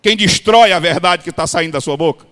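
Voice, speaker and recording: A pastor from Ceará with a Cearense Brazilian accent, preaching a blunt, folksy sermon to other pastors. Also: male voice, high-pitched, brisk, a bit bright. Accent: Cearense Brazilian Portuguese. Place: large hall at a pastors' retreat. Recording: long hall reverb.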